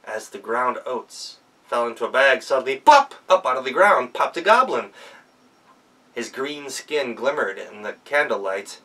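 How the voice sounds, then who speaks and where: Bright, forceful male storyteller. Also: medium pitch, animated, unhurried, recorded from a distance, low-quality recording. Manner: theatrical, with emphatic sound words. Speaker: professional storyteller. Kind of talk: oral folktale narration.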